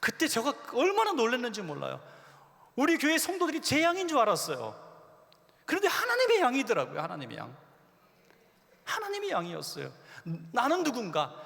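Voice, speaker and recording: A man delivers a revival sermon in a church sanctuary, his raised, gravelly voice rising and falling dramatically. He acts out quoted lines as he tells stories. A long hall reverb trails every phrase. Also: very high-pitched, fairly quick. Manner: animated storytelling preacher, acts out quoted voices. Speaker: pastor.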